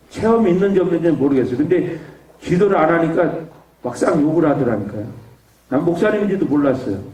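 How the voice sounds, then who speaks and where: A man's voice: fairly high pitch, a little mellow. A man, an evangelist, tells his testimony as a sermon and brings each scene to life as he speaks. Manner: vivid storytelling, acting out scenes. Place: prayer retreat hall. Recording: echoey hall, voice far from mic.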